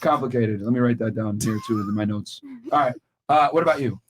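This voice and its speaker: A man's voice: medium pitch, fairly quick, background noise. A man hosting a podcast panel, questioning guests bluntly with many restarts. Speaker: podcast host. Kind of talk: casual panel interview.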